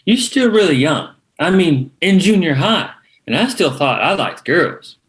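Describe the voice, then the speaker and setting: Playful gay man, early thirties, man actor: chatty, very lively pitch. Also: a little slow. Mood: playful, sassy. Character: sassy, proud gay man aged thirty-one. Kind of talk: script table read.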